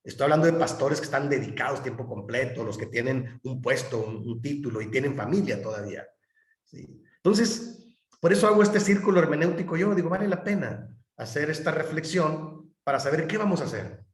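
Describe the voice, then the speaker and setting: A man's voice: fairly high pitch, lively intonation, fairly quick. A middle-aged man, a pastor teaching a class and telling personal stories in a candid, conversational way. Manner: conversational and candid, with fillers and chuckles. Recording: roomy echo.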